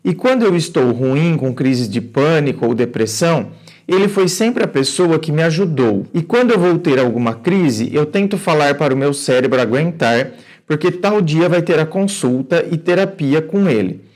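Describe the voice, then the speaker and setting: A man's voice: fairly high pitch, animated, moderate pace, a little mellow. A Brazilian man hosting an advice show, reading a viewer's letter aloud and reacting to it with exclamations and direct questions to his audience. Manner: incredulous, exclamatory, addresses the audience and the writer directly.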